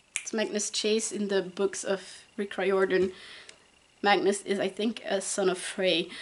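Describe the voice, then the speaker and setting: A woman speaks with a Flemish accent at a medium pitch. Her pace is fairly slow. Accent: Belgian (Flemish) English. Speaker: YouTuber. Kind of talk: casual unboxing talk to camera.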